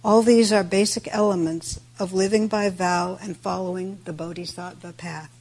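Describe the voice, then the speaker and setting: A woman with a raspy voice, a little worn today, giving a reflective Buddhist dharma talk in measured, deliberate phrases. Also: on the low side, fairly even intonation, darkish tone. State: raspy voice today with throat clearing. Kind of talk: sermon, reflective religious talk.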